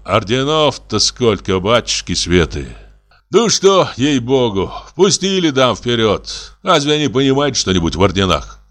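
A man's voice: very animated, unhurried, fairly bright tone. A man reading a classic story aloud in a theatrical way, pushing his voice up and down for emphasis. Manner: theatrical, swinging pitch for emphasis. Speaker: audiobook reader. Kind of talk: expressive literary reading.

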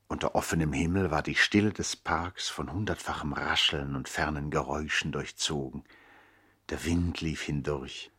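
Reflective storyteller, 1960s radio drama, husky voice, dry sound, measured literary delivery. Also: male voice, a bass voice, a bit bright, no room sound, exaggerated voice. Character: grown man recalling his boyhood, reflective storyteller. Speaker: narrator and actor. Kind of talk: literary radio play narration, 1960s German radio.

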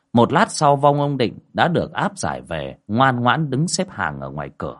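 A man narrating a ghost story in a dramatic manner, voicing the characters' dialogue. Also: lowish voice.

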